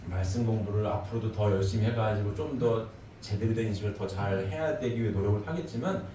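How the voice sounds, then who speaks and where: Speaking quickly in a dark, lowish voice, a middle-aged preacher drives his sermon home emphatically, often questioning the congregation and adding "eh?". The echoey hall carries faint ambience, plus a little hiss or hum.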